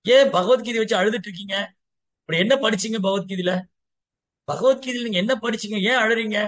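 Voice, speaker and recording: A man's voice: sits high, fairly quick, fairly bright tone, dry recording, pitched above the performer's own voice. A man voicing a compassionate saint who asks earnest, searching questions. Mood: earnest questioning. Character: compassionate saintly male teacher, eager questioner.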